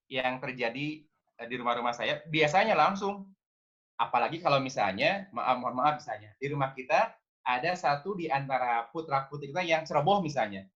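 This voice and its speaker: Bright-voiced man leading a parenting talk. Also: on the high side, dull audio. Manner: engaging, asks audience, acts out scolding parents. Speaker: parenting speaker.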